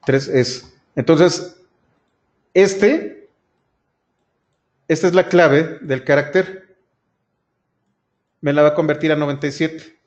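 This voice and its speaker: A man's voice: fairly high pitch, fairly even intonation, slow, long pauses, a little mellow. A male programming instructor, explaining a coding lesson step by step and speaking directly to his students. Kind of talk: screen-recorded coding lesson. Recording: dull lo-fi sound.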